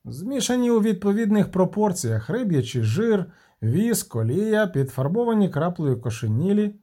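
A man's voice: high-pitched, very animated, moderate pace, dark tone, voice pushed up. A man voicing a cheerful, shrewd halfling merchant who counts out figures precisely. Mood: calculating.

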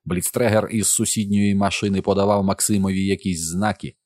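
A man narrating an audiobook in a steady, even reading voice. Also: deep voice, a little fast, no room sound, studio quality.

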